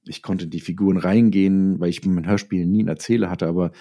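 Low, mellow-voiced man reflecting haltingly. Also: steady tone. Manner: halting, self-correcting, reflective storytelling. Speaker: interview guest, audio drama writer and author. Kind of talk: conversational interview.

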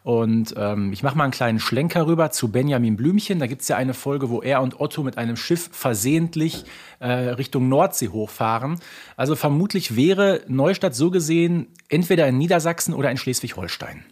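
A man's voice: mid-range voice, brisk, darkish tone, slightly rough. A man from North Rhine-Westphalia in Germany, co-hosting a casual podcast and explaining things in careful detail. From North Rhine-Westphalia, Germany (Ruhr area). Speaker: podcast co-host. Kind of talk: casual conversational podcast discussion.

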